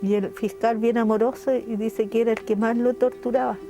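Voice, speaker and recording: A woman's voice: on the high side, steady tone, a little fast, over music. An older woman with a Chilean accent gives a heartfelt documentary testimony, acting out the dialogue as she tells it. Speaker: mother of a political prisoner.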